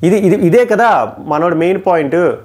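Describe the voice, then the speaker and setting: A man's voice: high-pitched, lively intonation, normal speed, a little mellow. A man giving opinionated live commentary on a reality show, firing rhetorical questions and mocking quotes.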